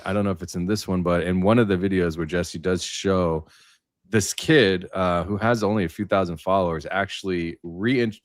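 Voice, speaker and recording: Man, very low pitch, casual panelist, slangy, emphatic, dry sound. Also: no room sound. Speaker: livestream panelist. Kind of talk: casual roundtable discussion.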